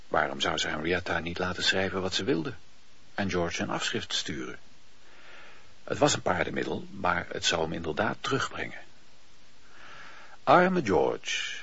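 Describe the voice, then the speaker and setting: An actor playing a wry storyteller, narrating a radio drama in a gravelly voice. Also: male voice, low voice, bright, forceful tone, exaggerated voice. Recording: dull lo-fi radio play recording.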